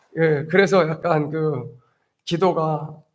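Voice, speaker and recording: A man's fairly high voice with audible echo from the room. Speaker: Buddhist monk. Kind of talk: sermon. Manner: slow.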